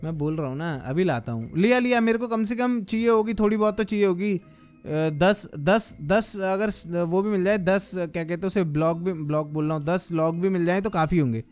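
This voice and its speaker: A man hosting a casual Minecraft role-play video, talking with energetic, slangy banter and teasing insults. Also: high voice, moderate pace, clean tone, faint music behind. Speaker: gaming YouTuber host.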